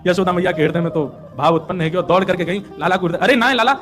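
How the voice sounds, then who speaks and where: A man with a Braj accent narrates a devotional story, animated and colloquial. His voice is high and the telling races along. Faint music plays underneath. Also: fast talker.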